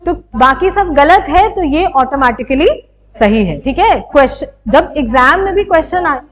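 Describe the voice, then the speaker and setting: A woman's voice: sits high, lively intonation, normal speed. A young woman teacher giving an exam-prep lecture, explaining and asking her students rhetorical questions.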